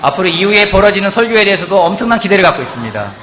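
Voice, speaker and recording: A man preaching a sermon in a church, asking the congregation questions and acting out quotes in a lively way. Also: high voice, racing, a crowd in the background, background noise. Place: church sanctuary. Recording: echoey church hall with faint ambience.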